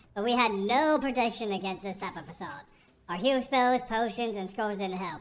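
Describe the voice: Ordinary pitch variation marks this plain reading aloud.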